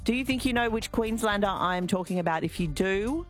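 A woman's voice: mid-range voice, brisk, soft background music. Bubbly Australian woman radio presenter. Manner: bubbly and chatty. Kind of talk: live weekend radio chat. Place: radio studio.

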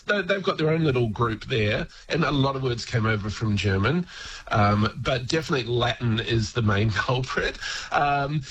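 A man's voice: mid-range voice, fairly bright tone, rough recording. A man, a regular word expert on a radio show, chatting casually with lots of ums, restarts and laughs. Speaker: regular language guest on radio.

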